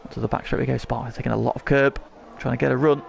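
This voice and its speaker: A man's voice: medium pitch, fairly even intonation, fast, gravelly, slight background noise. A man working as lead motorsport commentator on a race, calling the action in short present-tense phrases.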